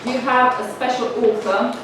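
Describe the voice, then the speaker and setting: A woman from northern Slovenia gives a seminar lecture, pausing often on filler sounds and inviting the audience to answer her questions. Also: on the high side, steady tone. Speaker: guest lecturer. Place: lecture room. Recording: very echoey room, mic far off, noisy.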